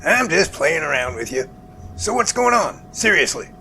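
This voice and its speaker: A man playing a jovial, earnest research professor in an amateur audio drama, with animated, folksy phone talk. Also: a little high, moderate pace, a little hiss or hum, full character voice, low-quality recording.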